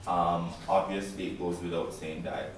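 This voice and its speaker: A man with a very deep voice puts a deliberate, probing question to a panel. He sits well away from the microphone. His words ring with heavy echo from the room, over a faint steady hiss. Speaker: journalist asking a question. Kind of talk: audience question at press conference. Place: press club conference room. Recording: distant, very echoey room mic.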